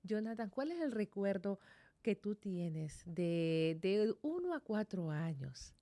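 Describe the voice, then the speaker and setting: A middle-aged woman hosts a Christian radio program from a studio, speaking with a mid-pitched voice. She is effusive, pouring out blessings, thanks and exclamations of wonder. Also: big pitch swings, slow, mellow. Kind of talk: radio interview.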